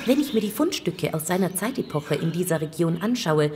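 An actress playing a keen, friendly female archaeologist in a German audio drama, brisk and confident in manner. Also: fairly low pitch, expressive, a little mellow, slight background noise, natural voice. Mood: thoughtful.

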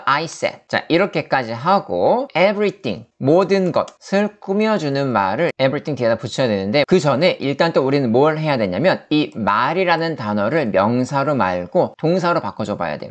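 A man's voice: mid-range voice, highs cut off. A man teaching English in Korean in an online lesson, whose first language is Korean and who explains step by step and keeps checking in with "right?".

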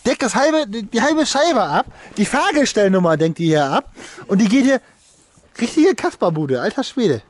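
A man's voice: sits high, big pitch swings, moderate pace. A man chatting casually as a car vlogger, blunt and crude in slangy, joking banter, recorded outdoors. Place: outdoors in a farmyard beside parked cars.

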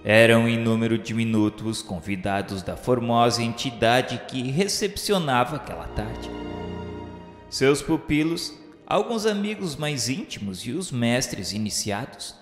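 A man reading a radio novela narration in a solemn, florid, measured literary style. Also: medium pitch, animated. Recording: echoey long reverb over music. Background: music.

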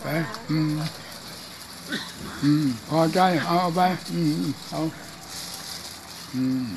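An elderly monk gives a loose, chatty dharma talk, slipping into acted voices for his funny stories. His voice sits high for a man, with a faint hiss of noise under it. He is hard of hearing. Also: fairly even intonation, drawn-out words, creaky. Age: older. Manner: chatty and humorous, acts out voices in anecdotes. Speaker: Buddhist monk. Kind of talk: informal dharma talk and storytelling.

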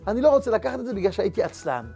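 A man's voice: sits high, big pitch swings, vocal fry, dark tone, faint music behind, exaggerated voice. A man voicing a hungry, repentant grown son in a spoken parable, pleading and apologetic.

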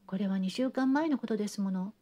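A woman's voice: mid-range voice, a little fast, dark tone, close to an everyday voice. A woman reading an audiobook, voicing a theatrical, talkative genteel lady who chatters on with refined, breathless sentences. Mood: gossiping. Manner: gushing, breathless chatter with refined feminine endings. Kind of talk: audiobook reading of a classic novel.

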